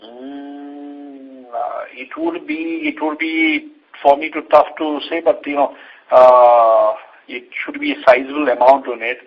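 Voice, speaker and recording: A man with an Indian accent, an executive giving unscripted answers on an earnings call in a halting way, often repeating phrases. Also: fairly high pitch, lively intonation. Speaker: company executive answering investor questions. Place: conference call line. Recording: dull lo-fi conference call audio.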